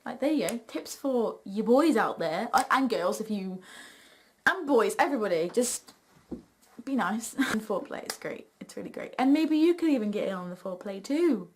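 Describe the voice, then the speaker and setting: A woman's voice: a little high, expressive, moderate pace, slight background noise. A young woman hosting a question-and-answer video, chatting casually and jokingly in a frank, cheeky way. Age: young adult.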